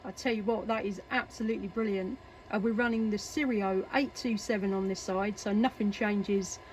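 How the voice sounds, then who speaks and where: A woman with an English accent talks in a casual, chatty radio style, pausing with ums as she goes. Her voice sits at an ordinary pitch, recorded in a workshop with clear radio noise around it. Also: fairly even intonation, darkish tone. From England. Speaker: CB radio operator and video maker. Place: workshop at home. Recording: noisy, radio static and hiss.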